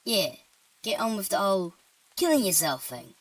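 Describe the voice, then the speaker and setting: A woman voicing a tired, sardonic male demon with a British accent, deadpan and offhand. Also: medium pitch, moderate pace, slightly rough, dry recording, poor audio.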